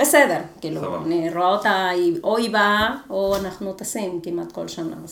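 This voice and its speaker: Over noticeable background noise and audible room echo, a woman with a Spanish accent speaks at a medium pitch. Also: ordinary pitch variation, moderate pace. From Peru. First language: Spanish (speaking Hebrew). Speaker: content project manager. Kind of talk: casual interview. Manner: halting.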